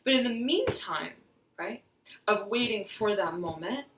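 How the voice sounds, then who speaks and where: A woman giving an intuitive tarot reading, halting and searching as she talks, slightly hoarse, often saying "right" and "I'm hearing.". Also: mid-range voice, lively intonation, a bit bright, distant mic, slight background noise. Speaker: tarot reader. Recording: roomy echo, voice off-mic.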